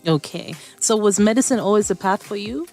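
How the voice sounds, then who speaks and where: A woman hosting an interview podcast, asking questions with lively, encouraging interjections. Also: medium pitch, fairly quick, soft background music. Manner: lively, warm encouraging interjections, laughs easily. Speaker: podcast host.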